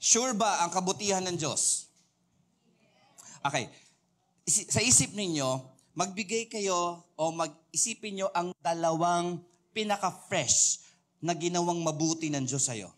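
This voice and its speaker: A man's voice: high voice, lively intonation, a little slow, a bit bright. A man preaching a sermon as a pastor, playful and joking as he quizzes his congregation. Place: church service.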